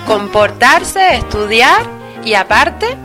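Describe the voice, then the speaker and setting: A woman's voice: a little high, sing-song, takes it slowly, music in the background. A woman co-hosting a local radio show, summing up what the children say with frequent "vale"s. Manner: sums up answers, many "vale"s. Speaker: radio co-host.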